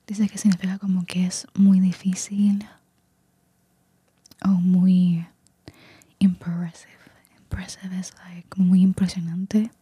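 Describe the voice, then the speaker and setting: A woman's voice: lowish voice, dark tone, slightly rough, no echo. A woman whispering ASMR-style into a close singing microphone, explaining slang and mixing in English words. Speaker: vlogger teaching slang.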